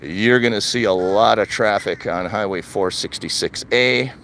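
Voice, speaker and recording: On a live stream, an older man from Wisconsin chats while he walks outside through a retirement community. He's a vlogger with a plain, repetitive conversational style. His voice is on the low side but fairly bright, at a moderate pace, and there's a little hiss or hum.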